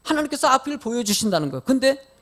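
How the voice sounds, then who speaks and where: A man's voice: very high-pitched, very animated, racing, fairly bright tone. A middle-aged male pastor preaching a sermon, questioning the congregation directly and telling folksy, lightly humorous stories.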